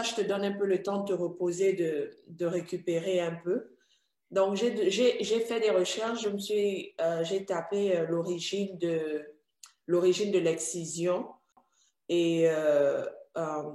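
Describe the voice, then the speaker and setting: A Christian channel interviewer speaks gently and calmly in a mid-pitched voice. The tone is comforting and unhurried. The room adds a noticeable echo. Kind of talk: conversational interview. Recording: echoey room.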